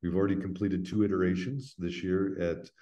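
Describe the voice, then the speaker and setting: A middle-aged American man with a low, mellow voice talks as a guest in an interview. He explains things in an earnest, plain-spoken way, conversationally, often tagging his points with a checking "right?". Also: flat delivery, fairly quick, highs cut off. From United States. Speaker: interview guest, veterans' foundation representative.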